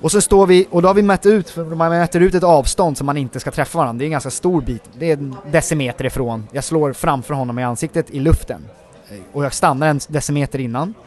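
A man with a slightly high voice appears as an actor guest in an easygoing interview. Animated and rambling, he shares set stories while padding his sentences with lots of filler words.

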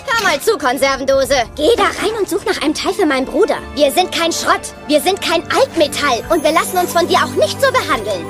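Eine Schauspielerin spielt in einem Kinderhörspiel eine junge, kämpferische Roboter-Schwester, schnippisch und direkt. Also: female voice, high-pitched, lively intonation, brisk, hardly any pauses, over music. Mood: indignant. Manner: tough, snappy, blunt. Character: feisty, scrappy young robot little sister. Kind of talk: children's audio drama acting.

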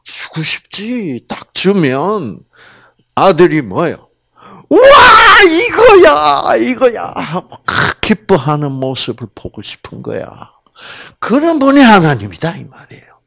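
A man lecturing a live audience on faith, his voice rising and falling widely as he poses one rhetorical question after another. He speaks slowly and with a fairly high pitch, in a dry, close sound. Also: no echo. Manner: animated, asks the audience constant rhetorical questions; acts out quoted people in his stories. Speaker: health lecturer.

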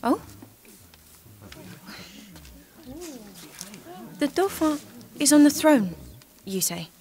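An actress playing an earnest, bold and devout young peasant maiden in an audio drama. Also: female voice, sits high, very animated, unhurried, dark tone, full character voice. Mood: puzzled, polite.

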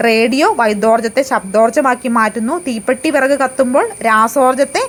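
Higher-pitched woman teaching. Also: brisk. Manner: asks questions then answers them, repeats key facts; frequent hesitations and restarts. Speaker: exam coaching teacher. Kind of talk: exam prep lesson.

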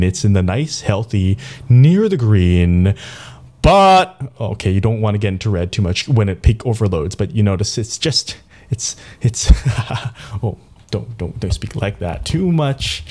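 Slightly low-voiced man, casual and playful tutorial host, chatting into a handheld recorder at his home desk. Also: a little mellow. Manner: chatty, playful, talks while fiddling with gear. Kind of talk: casual tech demo. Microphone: handheld portable recorder.

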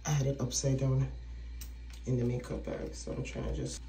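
A woman's voice: very deep voice, flat delivery, moderate pace, warm tone, echoey room. A woman in her thirties chatting casually to a close phone camera while doing her makeup, her voice a little throaty. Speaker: vlogger. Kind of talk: casual vlog chat to camera. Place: small indoor room, by a window.

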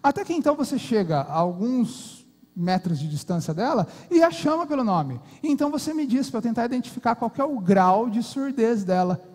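A Brazilian man voicing a calm, polite doctor giving instructions and apologizing, in a reverberant hall. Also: extremely high pitch, brisk.

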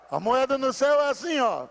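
A man with a Brazilian accent preaching a fervent sermon as a pastor at a church service, shouting his exhortations to the congregation. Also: very high-pitched, vocal fry, slight background noise. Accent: Brazilian Portuguese.

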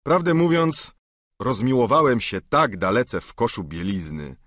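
A man reading as a sly convict in chains, owning up to his petty crime with a wry, confessional air. His voice is husky and lively, recorded close and dry. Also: medium pitch, measured pace, no room sound. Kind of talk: audiobook character reading.

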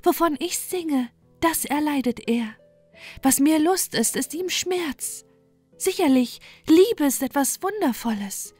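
A tender little songbird as a woman storyteller puts her on, lifting high and bright into a pleading, yearning tone. Soft music drifts faintly behind. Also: animated, slow pace. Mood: earnest wonder. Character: small female songbird, earnest and tender.

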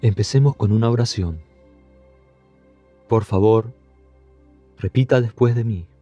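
A man leading a guided meditation, giving calm, soothing, unhurried instructions. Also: fairly low pitch, no room sound, faint music behind.

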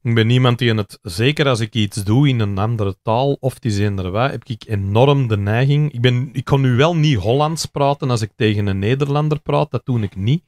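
A man's voice: mid-range voice, darkish tone, no echo, clean studio sound. A man with a Flemish accent hosting a podcast, talking at length in a rambling, chatty way. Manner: talkative, rambling explanations with quick asides. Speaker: podcast host. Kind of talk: casual podcast conversation.

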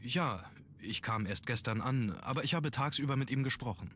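An actor playing a grave, brooding young aristocratic heir in a video game, speaking in a measured way. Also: male voice, mid-range voice, lively intonation, fairly bright tone, a little hiss or hum, natural voice. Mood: guarded. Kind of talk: German video game voice acting.

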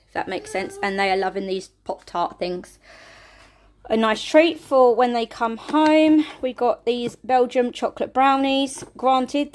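A middle-aged woman chatting casually through a family food haul in her kitchen, rambling and counting items aloud. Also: fairly high pitch. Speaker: family vlogger. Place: home kitchen, indoors.

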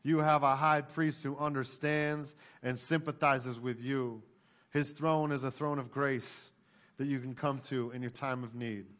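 Male pastor, forties, American accent, medium pitch, emphatic sermon delivery from a church stage. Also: steady tone, a little slow, a bit bright. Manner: emphatic, repeats questions and key phrases.

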